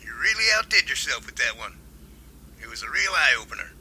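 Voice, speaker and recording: A man's voice: medium pitch, sing-song, brisk, pushed and bright, slightly rough, exaggerated voice, poor audio. A man playing a genial, folksy professor and researcher in an amateur audio drama. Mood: admiring. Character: genial, enthusiastic male professor and Bigfoot researcher.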